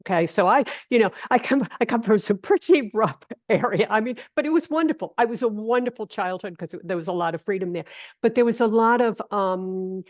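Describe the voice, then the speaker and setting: A woman's voice: mid-range voice, lively intonation, fairly quick, no room sound, lo-fi sound. A woman in her seventies from coastal Maine, answering as an interview guest in a conversational way, repeating phrases for emphasis. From island off the coast of Maine, USA. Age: 70s. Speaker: podcast guest, holistic health teacher.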